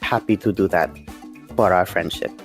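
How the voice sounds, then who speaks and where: A man's voice: low-pitched, normal speed, faint music behind. A man playing a tabletop game, roleplaying in character with formal, blustering threats. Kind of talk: in-character improvised roleplay and banter.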